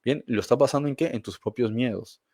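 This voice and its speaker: A man's voice: medium pitch, quick pace, a little mellow, dry recording. Emphatic man, dry close sound. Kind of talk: reflective conversation.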